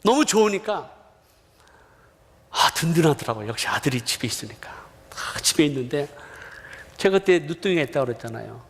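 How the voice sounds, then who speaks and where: Animated preacher man in a reverberant church. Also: on the high side, moderate pace, gravelly, long pauses. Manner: animated storytelling, acting out family dialogue. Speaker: missionary preacher. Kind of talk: sermon. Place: church sanctuary. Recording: long hall reverb.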